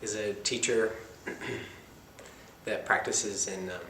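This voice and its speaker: A man giving a meditation talk in a soft-spoken, reflective manner, with casual asides. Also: fairly low pitch, flat delivery, takes it slowly, noisy background. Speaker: meditation teacher. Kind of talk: dharma talk. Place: meditation center hall. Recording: echoey meditation hall with faint ambience.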